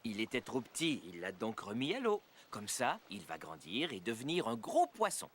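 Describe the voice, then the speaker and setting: An actor playing a patient, kindly father in a children's cartoon, with a gentle, explanatory way of talking. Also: medium pitch, huge pitch swings, moderate pace, music in the background. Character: patient, kindly young father of a small boy.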